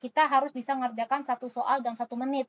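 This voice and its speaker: A woman tutor talks through letter-series puzzles, calling out each letter as she works the answer out. Her voice sits a little high. The recording is dull and lo-fi. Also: flat delivery, fast, a bit bright. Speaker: online test-prep tutor.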